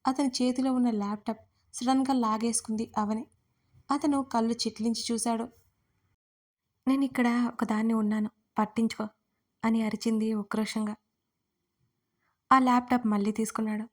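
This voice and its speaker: A woman storyteller giving scripted narration of a romance story in an even, steady reading. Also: fairly high pitch, moderate pace, long pauses.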